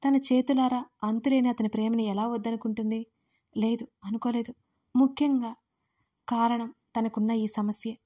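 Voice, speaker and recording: A woman narrating an audio drama series in steady, emotive storytelling. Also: on the high side, normal speed.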